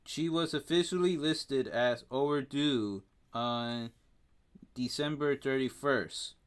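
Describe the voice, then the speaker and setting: A man with a Spanish accent reads facts aloud on a casual podcast, slowly and haltingly. He trips over names and fills the gaps with hesitations. His voice sounds smooth and clear. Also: mid-range voice. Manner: halting reading, stumbles over names with frequent fillers. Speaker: podcast co-host.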